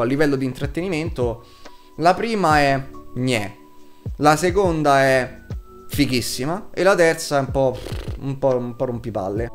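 A man in his twenties giving a casual, opinionated review to camera, blunt, emphatic and quick to swear. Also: mid-range voice. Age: 20s. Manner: blunt, foul-mouthed, emphatic. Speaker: video reviewer. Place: small room at home, indoors.

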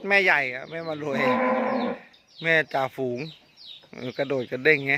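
A man filming his cattle on a farm outdoors, chatting excitedly in casual commentary and often laughing. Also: a little high, moderate pace, very noisy. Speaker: farm vlogger. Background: birds and chickens, faint outdoor ambience.

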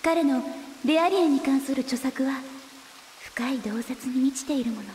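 Actress as high-voiced, thoughtful young woman scientist. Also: normal speed, a little mellow, slight background noise, lightly acted. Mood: curious, reflective. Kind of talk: Japanese audio drama acting.

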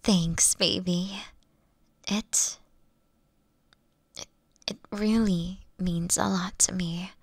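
A woman playing a playful, affectionate young fox-witch girlfriend in an intimate roleplay audio, speaking in a coy, tender, halting way with some breathiness. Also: lowish voice, fairly even intonation, no room sound, heavily acted. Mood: shy, tender.

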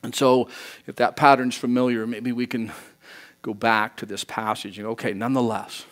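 A male pastor preaching a sermon in church in a relaxed, conversational way, often acting out bits of dialogue. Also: medium pitch, moderate pace.

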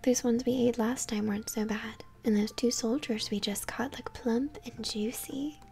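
A woman's voice: a little high, fairly even intonation, normal speed, gravelly, darkish tone, soft background music. A woman voicing a smug, human-hating monster henchman in a game, in a sneering whisper. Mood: gloating.

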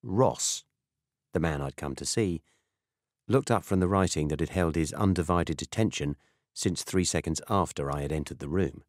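A British man narrates a first-person novel in a deep voice. His delivery is measured and dry. The recording is close and free of room sound, as suits a scripted audiobook. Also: no echo.

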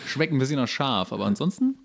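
A man's voice: mid-range voice, huge pitch swings, quick pace, creaky. A man co-hosting a podcast with casual, wry and jokey banter. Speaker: podcast co-host.

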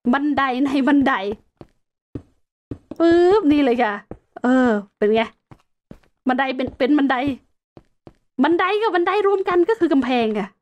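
High-voiced chatty woman gaming. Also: a little mellow, muffled recording. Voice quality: chatty, playful, with sound-effect words. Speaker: gaming streamer. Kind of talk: casual Minecraft gameplay commentary.

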